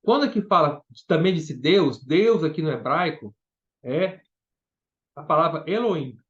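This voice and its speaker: A man's voice: on the high side, animated, a little slow, fairly bright tone, highs cut off. A man with a Brazilian Portuguese accent preaching a Bible study sermon, explaining step by step and often asking "né?". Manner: explanatory, repeats words and asks "né?".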